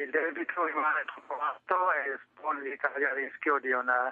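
A man's fairly high voice comes out in a monotone, flat intonation. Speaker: economist, think-tank director. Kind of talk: radio interview. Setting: remote line from abroad. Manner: halting.

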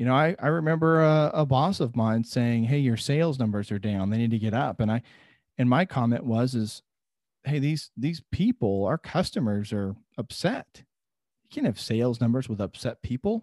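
In a plain, everyday voice, a man speaks at a medium pitch with lively intonation. The recording is very clean, with a silent background. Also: moderate pace. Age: 40s. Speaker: podcast host and leadership speaker. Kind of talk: solo motivational monologue. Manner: casual with many fillers.

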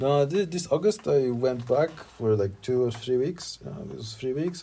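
With lively intonation, a man speaks in a Polish accent. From Poland. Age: 30s. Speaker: photographer. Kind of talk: casual chat. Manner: halting.

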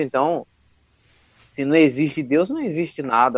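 In a dry, close recording with no echo, a man with a fairly high pitch talks at a fairly quick pace with ordinary pitch variation. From Pindamonhangaba, interior of São Paulo state, Brazil. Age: 20s. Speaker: rapper. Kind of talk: casual interview chat.

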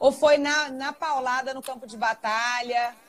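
A woman with a high-pitched voice talks at a fairly slow pace. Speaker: voice-over coach and podcast host. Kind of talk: interview.

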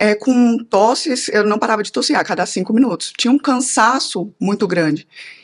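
Using an ordinary speaking voice, a woman with a fairly high pitch talks at a moderate pace with ordinary pitch variation. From Brazil, Rondônia. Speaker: physician. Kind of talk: interview.

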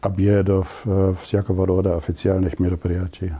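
A fairly low-pitched man speaking at a very slow pace. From Germany. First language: German and Esperanto (speaking Russian). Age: 60s. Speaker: retired diplomat. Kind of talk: interview answers. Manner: halting, many hesitations.

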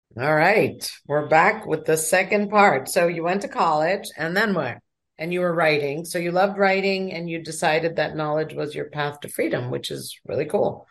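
Speaking in a normal speaking voice at a moderate pace with hardly any pauses, a woman has a fairly low pitch and ordinary pitch variation. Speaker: podcast host. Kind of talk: interview.

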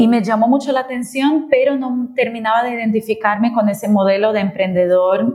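In a Portuguese accent, a woman talks at a moderate pace with ordinary pitch variation. Her voice is somewhat breathy. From Brazil. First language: Portuguese (speaking Spanish). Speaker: social entrepreneur. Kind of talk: interview. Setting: video call.

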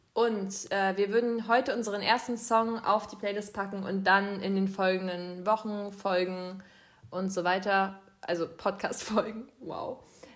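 A woman speaks at a medium pitch and a fairly slow pace, her intonation flat and monotone. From East Berlin. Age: 20s. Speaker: podcast co-host, master's student. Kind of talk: casual chat.

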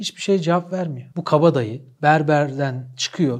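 With an animated tone, a man speaks at a fairly high pitch and a moderate pace, somewhat breathy, with ordinary pitch variation. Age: 30s. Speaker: Islamic preacher. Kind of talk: religious talk.

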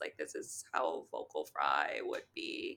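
A man does a put-on character voice, extremely high-pitched and creaky. He speaks at a fairly slow pace. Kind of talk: Valley Girl style.

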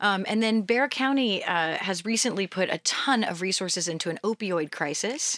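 A woman with an ordinary speaking voice talks at a moderate pace and medium pitch, with lively intonation and hardly any pauses. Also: dry, close sound with no echo. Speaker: podcast host. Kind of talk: casual interview chat.

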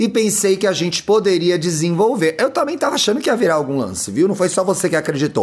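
High-pitched man's voice, animated in tone, with very wide pitch swings. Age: 30s. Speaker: podcast host reading listener stories. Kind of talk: reading aloud listener letter with comments.

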